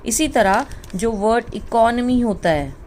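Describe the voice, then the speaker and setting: A woman with an Indian accent teaching English pronunciation, switching between Hindi and English and repeating words slowly to correct them. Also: on the high side, lively intonation, darkish tone, slight background noise. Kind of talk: slow classroom-style pronunciation lesson mixing Hindi and English.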